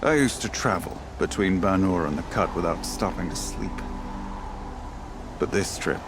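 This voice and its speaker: An actor playing a weary, proud old tribal hunter in a video game, speaking in a solemn, measured, poetic way. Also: male voice, low voice, over music. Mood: weary, reflective. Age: older. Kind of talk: dramatic video game dialogue.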